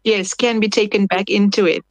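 Woman interviewer, reflective and measured, mid-pitched voice, dry close sound. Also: steady tone, dry recording, poor audio. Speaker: interviewer, host. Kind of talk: interview conversation.

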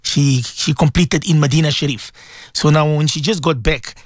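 A man's voice: a little high, moderate pace, no room sound, clean studio sound. A middle-aged man hosting a religious radio show, talking to listeners in an emotional, pleading way and often repeating himself.

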